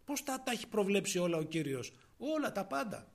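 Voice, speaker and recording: A man preaching a sermon with fervent delivery that swells to loud, emphatic peaks. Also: high-pitched, sing-song, gravelly.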